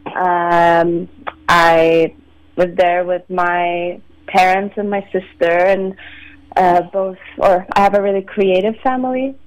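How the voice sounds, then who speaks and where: A woman in her late twenties, from Sweden, a ballet dancer answering interview questions in a measured, soft-spoken way with many pauses. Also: fairly low pitch, fairly even intonation, clean tone, poor audio. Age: 20s. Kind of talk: phone-in radio interview.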